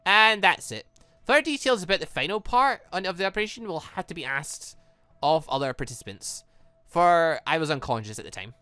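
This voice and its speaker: A dutiful young male team leader read by a man in a visual novel, guarded and careful with his words. The voice is bright and plain, in a dry recording. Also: fairly high pitch, lively intonation, a little fast, smooth, no room sound, soft background music. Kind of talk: visual novel character reading.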